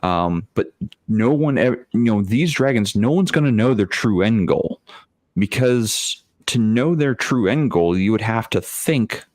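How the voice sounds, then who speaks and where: Male game master, low voice, close dry sound, deliberate and wordy, casual discussion. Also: expressive, darkish tone, no room sound. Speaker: tabletop game master, panelist. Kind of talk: casual panel discussion of role-playing games.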